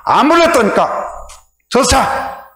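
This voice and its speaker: A male preacher voicing a drowsy, irritable old priest who scolds in a gruff tone. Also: a little high, big pitch swings, slow, a bit bright, roomy sound, heavily acted. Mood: grumpy scolding.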